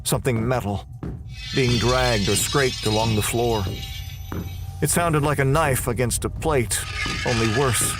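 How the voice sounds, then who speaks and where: A man narrates a horror audio drama in the first person. His mid-pitched voice delivers scripted prose dramatically, with music underneath. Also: measured pace.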